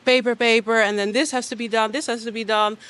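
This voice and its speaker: A woman's voice: on the high side, fairly even intonation, fast, fairly bright tone, clear, resonant tone. A woman in a street interview, venting with exasperation and acting out what officials told her. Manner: exasperated, acts out quoted officials.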